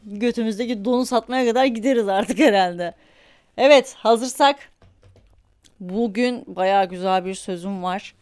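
A young woman hosting a podcast, telling a story in a chatty, animated way and laughing often. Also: medium pitch, unhurried. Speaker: podcast host. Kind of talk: casual storytelling monologue.

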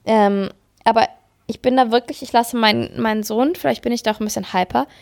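A woman co-hosting a podcast, chatting casually and telling stories in a lively, self-mocking way. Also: on the high side, a little fast, gravelly. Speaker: podcast co-host. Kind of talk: casual chat.

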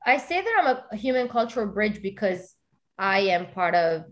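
A woman raised in Italy, a guest in an interview, speaking earnestly at a middling pitch. She keeps her talk loose and conversational and leans on "you know" and "like" between her points. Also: very animated, normal speed.

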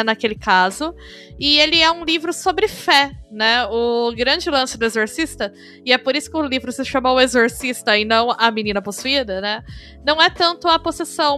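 A woman's voice: high voice, sharp tone. A Brazilian woman hosting a podcast, chatting in an enthusiastic, explanatory way. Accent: Brazilian Portuguese. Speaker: podcast host. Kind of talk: casual podcast chat.

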